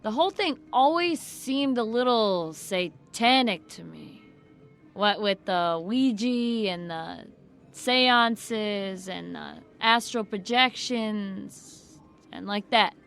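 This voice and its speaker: An actress playing a flippant, irreverent former employee in an audio drama, blunt and offhand, with folksy colloquial speech. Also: female voice, medium pitch, animated, slow, creaky, a bit bright, faint music behind, full character voice. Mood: offhand, wary. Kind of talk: audio drama acting as interview guest.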